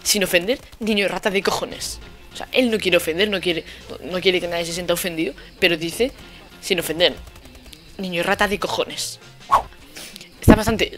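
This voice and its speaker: Young Spanish gamer mocking hater comments. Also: male voice, high-pitched, bright, forceful tone. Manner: mocking, repeats insults with sarcasm. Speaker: gaming youtuber. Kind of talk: casual commentary over gameplay.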